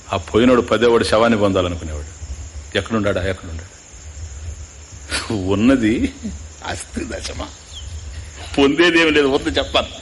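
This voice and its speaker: Animated male spiritual teacher. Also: mid-range voice, a little hiss or hum. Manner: keeps quizzing listeners, mixing in English asides. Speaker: Vedanta teacher. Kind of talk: spiritual discourse.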